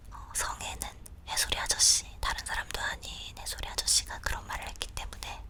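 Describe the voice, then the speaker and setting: Someone whispers at a moderate pace with hardly any pauses, and the loudness swings widely. Noticeable background noise sits behind the voice. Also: woman. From Korea. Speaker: ASMR creator. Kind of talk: ASMR movie review. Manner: whispered.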